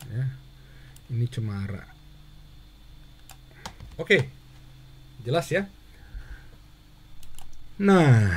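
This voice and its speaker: A man teaching a handwriting lesson, patient and steady, who asks questions and answers them himself. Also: mid-range voice, a little hiss or hum. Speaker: Russian language teacher.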